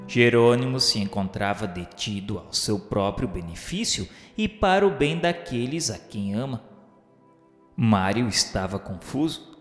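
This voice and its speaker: A man with a Brazilian accent reads a literary radio novel as narrator, in a solemn, formal, measured and earnest way. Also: medium pitch. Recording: echoey hall-like reverb under music. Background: background music.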